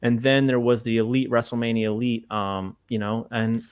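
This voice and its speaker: A man's voice: medium pitch, little pitch movement, moderate pace, clear, resonant tone. A man in a casual podcast chat, insistent and repeating himself as he makes his point. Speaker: podcast guest.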